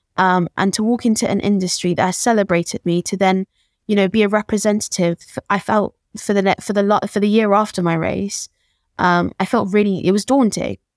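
Speaking fairly quickly with a London accent, a woman keeps a medium pitch, monotone, flat intonation and very even loudness, in a dry, close sound with no echo. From London (Peckham). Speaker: amateur jockey. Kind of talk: interview conversation.

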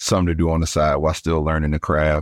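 Against a silent background in a very clean recording, a man speaks with a very deep, low pitch. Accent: American. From southern Illinois (East St. Louis area). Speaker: charter fishing captain. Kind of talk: casual interview.

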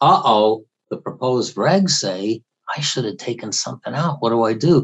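Using a normal speaking voice, a man with an American accent talks at a moderate pace in a medium pitch with lively intonation. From Texas. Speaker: trust and tax attorney. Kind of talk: casual chat.

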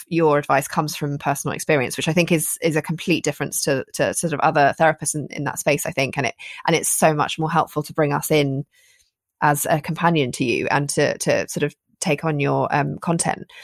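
With a British accent and a very deep, low pitch, a woman speaks at a fairly quick pace in a dry, close sound with no echo against a quiet background. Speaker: podcast host and writer. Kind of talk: interview conversation.

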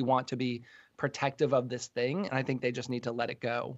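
A man's normal speaking voice, medium in pitch, at a fairly quick pace. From Massachusetts. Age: 40s. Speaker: chef and podcast host. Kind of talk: casual interview.

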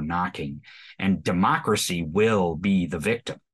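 A man with an American accent at a fairly slow pace, against a quiet background. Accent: rural Missouri hillbilly. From rural Missouri. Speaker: political podcast host. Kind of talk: interview. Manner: animated.

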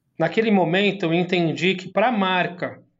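Here a man speaks with a high pitch. The variation in his pitch is ordinary. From São Paulo, Zona Norte. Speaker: streetwear brand entrepreneur. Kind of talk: interview.

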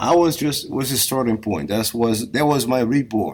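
Speaking at a moderate pace, a man with a Portuguese accent uses lively intonation. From Brazil, small town. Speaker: mixed martial arts fighter and coach. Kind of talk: interview. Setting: remote call.

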